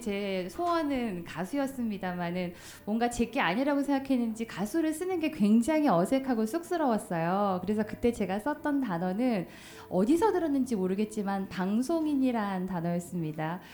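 Cheerful tone from a woman, fairly high in pitch, with very wide pitch swings and a moderate pace. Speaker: radio DJ and podcast host. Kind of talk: live public podcast recording. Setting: stage with audience. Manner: cheerful, laughing.

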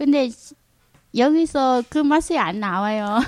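This woman speaks with a Vietnamese accent. Her intonation is lively and her pace very slow. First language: Vietnamese (speaking Korean). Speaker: migrant resident. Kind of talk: casual chat. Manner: halting.

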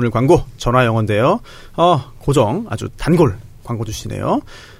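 The recording is very clean, with a silent background. A man speaks in a somewhat breathy voice. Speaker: podcast host. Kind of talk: casual political talk. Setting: studio.

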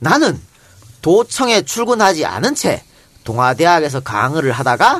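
A man's fairly high voice, fairly slow in pace, with very wide pitch swings. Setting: studio.

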